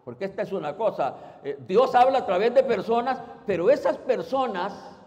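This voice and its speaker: A man with a notably high voice preaches in a church, talking conversationally and turning to the congregation with questions. He restarts his phrases often. The sound carries a long reverb from the hall. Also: expressive, normal speed, a little mellow, muffled recording. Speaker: pastor. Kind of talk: sermon.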